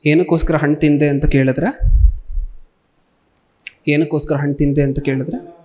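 Higher-voiced man preaching a sermon. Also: level tone, a little mellow. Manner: rhetorical, questioning the listeners; reads scripture slowly. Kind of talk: sermon with questions to the congregation.

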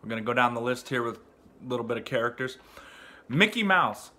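Male voice actor, casual presenter read, bright and forceful, lively pitch. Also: brisk. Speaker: voice actor presenting demo reel. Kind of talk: casual spoken introduction.

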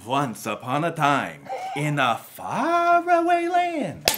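Slow, playful storybook narrator woman. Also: deep voice, big pitch swings, a little hiss or hum. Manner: playful, giggly reading. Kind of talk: storybook narration at a table read.

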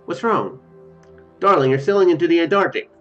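A man's voice: on the high side, fairly quick. A young man doing let's play commentary and reading game text aloud, hesitant and rambling, with trailing asides. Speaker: video game streamer. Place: indoor room at home. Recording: dull, lo-fi microphone sound. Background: game music.

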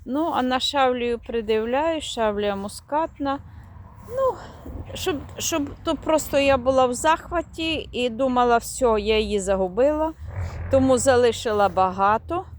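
A woman's voice: high voice, a little slow, a little hiss or hum. A woman chatting fondly as she walks through her garden, showing plants and now and then searching for their names. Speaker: garden vlogger. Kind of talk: casual garden tour vlog. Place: outdoors in a garden.

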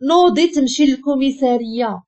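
A woman's voice: high-pitched, fairly quick, darkish tone, natural voice. A woman with a Moroccan accent voicing an angry young husband in a told story, with curt, barking commands. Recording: dull lo-fi recording.

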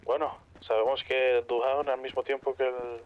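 A man's voice: mid-range voice, little pitch movement, normal speed. A man chatting casually in character in a game roleplay, heard through a radio filter. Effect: radio or phone-like filter. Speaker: fellow roleplay player. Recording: tinny, narrow radio-like voice line.

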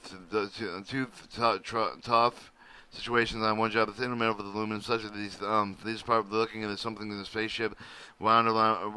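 A man's voice: lowish voice, bright, forceful tone, clean tone. A man reading a welding manual aloud at his computer, stumbling over words and restarting often. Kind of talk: halting read-aloud of a manual. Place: at a computer, screen recording.

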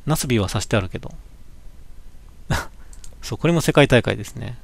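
A man talks loosely over photos from his cycling trip for a live stream. He muses aloud, pauses on fillers and corrects himself as he goes, in an easy, chatty way. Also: mid-range voice, expressive, gravelly, no echo. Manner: musing, chatty, many fillers and self-corrections. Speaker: cycling vlogger looking back on a trip. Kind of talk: casual slideshow commentary for a live stream. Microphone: webcam.

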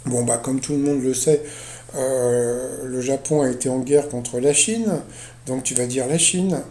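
A man's voice: mid-range voice, unhurried, mellow, echoey room. A man casually recapping a TV quiz show, rambling with lots of fillers and restarts and chatty asides.

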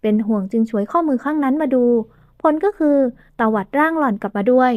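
A woman narrating a romance novel as an audiobook reader, with steady storytelling. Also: sits high, fairly quick, no room sound, phone-quality sound.

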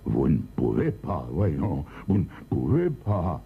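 A man's voice: very deep voice, wildly swooping pitch, takes it slowly, full character voice. A man voicing a pompous, irritable store director who grumbles and blusters in a crime story reading. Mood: nervous, pleading. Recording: tinny lo-fi recording, faint hiss.

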